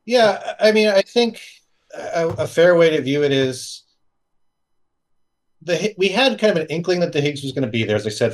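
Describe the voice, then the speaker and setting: A man talking as a guest physicist in an interview, explaining in an earnest way. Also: medium pitch. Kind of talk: casual interview talk.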